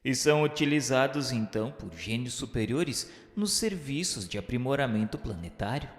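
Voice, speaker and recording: A man's voice: mid-range voice, lively intonation. Solemn Brazilian man narrating in echoing hall. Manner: formal, measured, didactic. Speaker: narrator of a spiritist radio novela. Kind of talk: scripted dramatized narration, solemn literary reading. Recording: echoey hall reverb, music underneath. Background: music.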